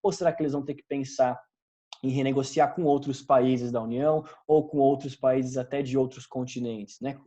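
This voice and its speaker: A man's voice: medium pitch, steady tone, normal speed, mellow, dull audio. A man with a Brazilian accent teaching a recorded class, talking conversationally, often correcting himself and checking in with his students. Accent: Brazilian Portuguese. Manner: conversational, many fillers and self-corrections, addresses students directly.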